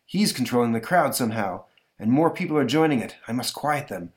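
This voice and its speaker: A man's voice: mid-range voice, expressive, a little fast, voice pushed up, lightly acted. Confident comic-book hero, earnest and commanding, speaking in declarations, read by a man. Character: resolute, confident male comic-book superhero with mind powers.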